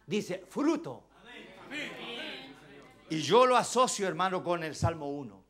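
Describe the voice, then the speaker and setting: A male pastor with a Chilean accent preaching a sermon, swinging between shouts and hushed asides and calling out rhetorical questions to the congregation. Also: high voice, very animated, slow, faint music behind. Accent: Chilean Spanish. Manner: impassioned, swinging between shouts and near-whispers.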